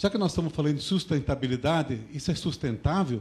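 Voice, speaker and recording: Speaking in a fairly high pitch, a man makes very wide pitch swings. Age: 70s. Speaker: audience member, university professor. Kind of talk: audience question.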